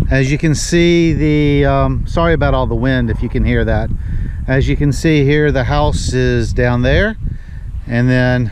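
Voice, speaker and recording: Speech comes at a fairly slow pace. There is noticeable background noise, but the sound is dry with no echo. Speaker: vlogger. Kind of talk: casual vlog chat. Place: open country. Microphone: phone near.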